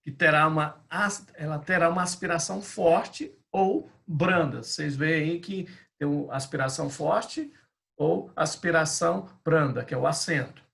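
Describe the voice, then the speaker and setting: Gravelly-voiced man teaching a Greek lesson. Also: on the high side, normal speed, fairly bright tone. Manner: patient, repeats and restates points. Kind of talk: explanatory lesson.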